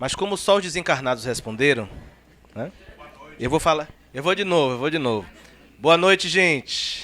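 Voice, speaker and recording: Pausing often and at length, a man speaks at a moderate pace with lively intonation and a fairly high pitch. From Bahia, Brazil (Salvador). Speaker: spiritist lecturer and author. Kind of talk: lecture.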